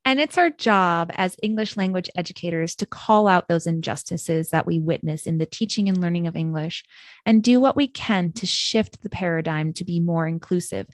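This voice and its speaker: A woman's voice: on the low side, no room sound. Earnest woman co-host, dry close sound. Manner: measured, affirming, earnest. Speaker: podcast co-host, English teacher. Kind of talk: scripted podcast discussion.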